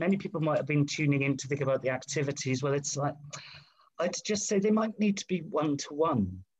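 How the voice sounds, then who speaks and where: Spoken in a Welsh accent, the delivery is fairly quick with lively intonation. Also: man. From Wales. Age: 50s. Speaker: leadership consultant and trainer; trainer. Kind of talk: casual chat. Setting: video call. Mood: calm, thoughtful. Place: home room. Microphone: video call.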